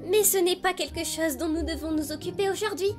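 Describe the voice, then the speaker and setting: Woman voicing a high, anxious rag doll. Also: over music. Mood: reassuring. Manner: nervous, halting, apologetic. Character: kindly, anxious female rag doll, forcedly cheerful. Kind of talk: animated cartoon fan dub acting.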